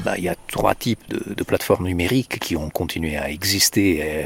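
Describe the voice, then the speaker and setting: A man's very deep, low voice with an Italian accent, somewhat breathy, with ordinary pitch variation and a dry, close sound with no echo. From Italy. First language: Italian (speaking French). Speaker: sociologist and professor. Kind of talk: interview conversation. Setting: outdoors in a garden. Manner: hesitant with fillers.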